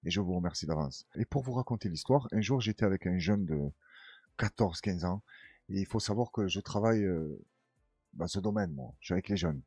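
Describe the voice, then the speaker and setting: A man's voice: low voice, fairly quick, husky, no room sound. A man hosting a casual news commentary stream, reading viewer comments in a slangy, streetwise way. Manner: animated storyteller, voicing others in his tales.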